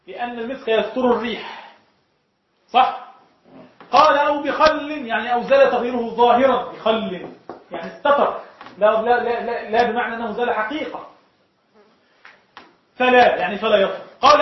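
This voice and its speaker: A man's voice: high-pitched, a little hiss or hum. A man with an Egyptian Arabic accent teaching a jurisprudence lesson to students, explaining step by step and often checking whether the class understands. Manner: explains point by point, often asks the class if it is clear. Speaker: sheikh teaching Shafi'i jurisprudence. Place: lecture room with students. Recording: echoey, dull lo-fi room recording.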